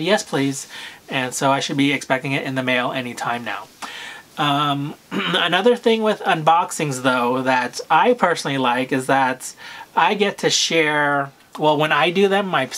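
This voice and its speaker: A man talking casually to camera about luxury purchases, with a soft, soothing voice and a hesitant manner full of pauses and fillers. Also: a little high. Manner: unhurried, hesitant, full of "um" and "you know", frequent throat clearing. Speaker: luxury fashion vlogger.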